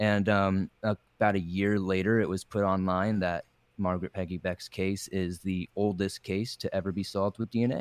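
Speaking in a monotone, flat intonation at a moderate pace, a man with a fairly low pitch is recorded dry and close with no echo against a quiet background. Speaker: horror story narrator. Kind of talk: interview. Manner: fluent, well-delivered.

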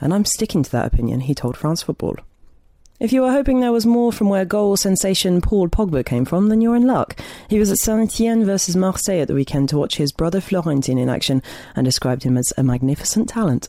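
At a very fast pace, a woman of medium pitch speaks with a dark, mellow tone, very wide pitch swings and very even loudness. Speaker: football news reporter. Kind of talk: news reading.

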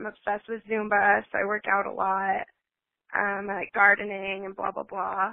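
A woman's voice sits at a medium pitch. She speaks with monotone, flat intonation. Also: moderate pace. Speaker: caller. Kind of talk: casual chat. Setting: phone call. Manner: halting.

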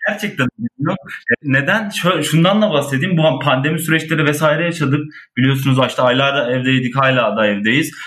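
At a moderate pace, a man talks in an unremarkable speaking voice with a fairly high pitch and ordinary pitch variation. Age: 20s. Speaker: sales manager. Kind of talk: casual chat.

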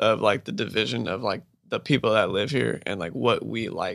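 A man with an American accent, a bright, sharp tone and ordinary pitch variation, on a very clean recording with a silent background. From Bakersfield, California. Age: 20s. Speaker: audio engineer. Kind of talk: casual chat. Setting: studio.

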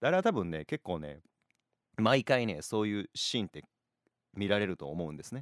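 A man with a fairly low pitch talks at a fairly quick pace, using lively intonation, big swings in loudness and long, frequent pauses. The sound is dry and close with no echo, on a very clean recording with a silent background. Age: 30s. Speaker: radio announcer and host. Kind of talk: solo radio talk show. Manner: casual, chatty.

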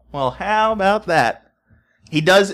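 A man talks at a fairly slow pace. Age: 20s. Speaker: podcast guest, hosts his own podcast. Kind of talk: casual chat. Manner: halting.

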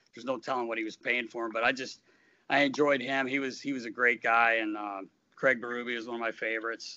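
Here a man speaks in a plain, everyday voice with an American accent. His pitch is medium, his intonation fairly even and his pace fairly quick. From US South, North Carolina. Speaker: hockey equipment manager. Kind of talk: interview.

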